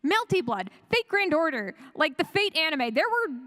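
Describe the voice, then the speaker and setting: Female panelist, slightly high voice, casual and enthusiastic fan delivery, rambles and corrects herself. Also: sing-song, moderate pace, pushed and bright. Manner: chatty and rambling, with frequent self-corrections and chuckles. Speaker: convention panelist. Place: live panel room at a fan convention.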